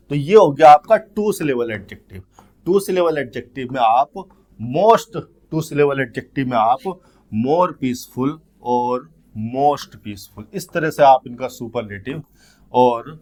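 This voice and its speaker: A man with as his teaching English grammar in an exam-prep lesson, explaining step by step and reading the English questions out slowly. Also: mid-range voice, lively intonation, a little mellow.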